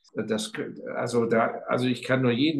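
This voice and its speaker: A man speaks in an ordinary speaking voice at a medium pitch. His pace is fairly slow. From Germany. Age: 60s. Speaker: value investor. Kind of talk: interview.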